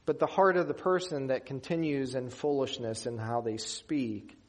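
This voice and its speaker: A man's voice: mid-range voice, steady tone. A man from Western Pennsylvania preaching a sermon in an earnest, emphatic way. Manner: earnest, emphatic preaching with slow deliberate pauses. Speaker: pastor.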